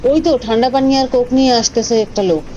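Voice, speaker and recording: Woman as a very high-voiced excitable cartoon boy. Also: rapid-fire, slight background noise, natural voice. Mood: curious, suspicious. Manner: colloquial, urgent, dramatic. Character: excitable, suspicious, stubborn young cartoon boy. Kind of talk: animated cartoon dubbing. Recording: dull audio with faint background music.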